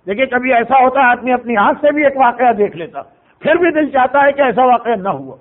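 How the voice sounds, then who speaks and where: A man's voice: very high voice, expressive. A man giving a sermon, telling a tragic story in a dramatic, mournful way. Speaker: religious orator. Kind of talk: sermon narration of a historical tragedy. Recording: tinny phone-like sound.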